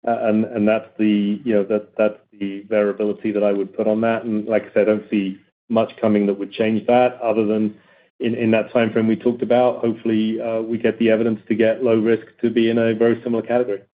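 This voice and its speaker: Low-voiced man on a tinny call line. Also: monotone, fast talker. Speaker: company executive answering analysts. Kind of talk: earnings call commentary. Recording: tinny phone-like conference call audio.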